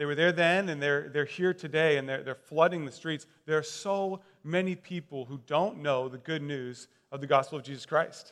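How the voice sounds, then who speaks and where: Man with a Midwestern US accent, fairly high pitch and fairly even intonation. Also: moderate pace. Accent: US Midwest. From Indiana, US Midwest. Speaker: guest preacher. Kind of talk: sermon.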